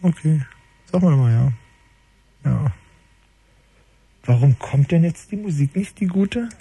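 A man hosts a late-night call-in radio show from his studio, needling his callers with dry, ironic jokes. His voice has a mellow, darker tone. It sits a little higher than most men's. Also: expressive, slow pace, gravelly, husky, no room sound.

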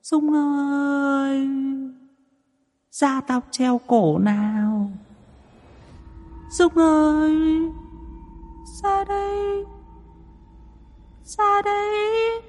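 A man voicing a hanged female ghost who calls her victim out in a slow, drawn-out hiss. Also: extremely high pitch, in a large hall, faint music behind, voice pushed up, full character voice. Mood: menacing.

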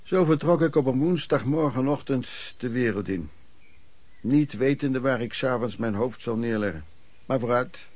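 A male radio play narrator played by an actor looks back on a hard, hopeful youth as a street trader. He tells it colloquially in clipped phrases, at a middle pitch, in a very dry studio sound. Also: moderate pace, a little mellow, dry recording, lightly acted. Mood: plain reminiscing.

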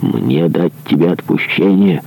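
A man voicing a stern, vengeful monk who presses a dying man with hushed, menacing demands. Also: low voice, steady tone, unhurried, creaky, full character voice, low-quality recording. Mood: cold menace. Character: stern, vengeful male monk, cold and relentless.

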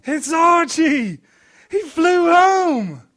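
A man voicing a gentle, earnest man who insists his pet gargoyle is real, in a slow, high, wide-eyed way. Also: sing-song, faint music behind, exaggerated voice. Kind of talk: audiobook character voice.

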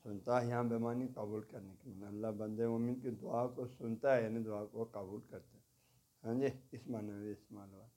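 Man teaching slowly, glossing each word. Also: fairly low pitch, fairly even intonation, dark tone. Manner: repeats and glosses word meanings, frequent "haan ji" tags. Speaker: religious teacher. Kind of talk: lecture explaining a devotional text.

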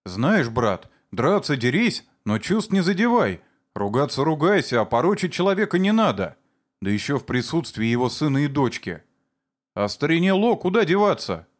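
A man's voice: a little high, very animated, moderate pace, pitched above the performer's own voice. An older village man trying to make peace, reasoning in a raised, coaxing voice, as a male narrator voices him. His tone stays firm and persuasive.

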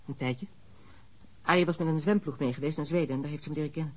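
An actor in a radio drama playing a smuggler who confesses under police questioning, frank and matter-of-fact. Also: male voice, fairly high pitch, fast, close to an everyday voice. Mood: brazen. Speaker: suspect.

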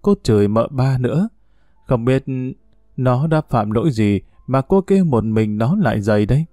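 A man narrating a story in a steady, measured reading voice. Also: mid-range voice, no echo, studio quality.

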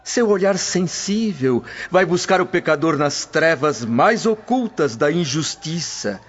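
An actor playing a devout early Christian preacher who addresses a gathering in measured, solemn tones, in a radio drama. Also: male voice, on the high side, animated, slightly rough. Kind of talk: sermon-like radio drama speech. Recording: muffled audio with background music.

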